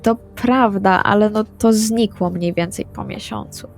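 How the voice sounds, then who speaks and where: A woman's voice: mid-range voice, fairly even intonation, unhurried, creaky, a little mellow. A woman improvising serious in-character dialogue in a tabletop role-playing game. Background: music.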